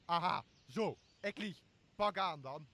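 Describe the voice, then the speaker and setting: A man's voice: fairly high pitch, takes it slowly, heavy background noise. A young man, a student actor in a radio play, playing a drunken, pompous, commanding lord of an island. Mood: threatening. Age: young adult. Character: drunken, bossy, self-crowned male lord of an island. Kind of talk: amateur radio drama acting.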